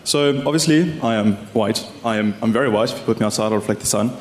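A man's voice: on the low side, quick pace. A man, an audience member asking an articulate, emphatic question. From South Africa. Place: lecture hall. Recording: echoey hall with faint noise.

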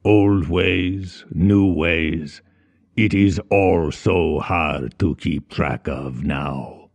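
A man voicing a towering ancient male serpent god, speaking calmly with quiet menace in an audiobook. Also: full character voice. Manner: calm, rumbling, drawn-out. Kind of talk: audiobook character voice.

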